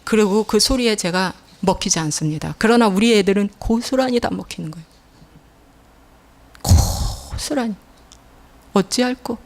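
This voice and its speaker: A woman's voice: medium pitch, fast, few pauses. A middle-aged woman pastor preaching a sermon in a church, telling stories emphatically and acting out the scolding voices she quotes.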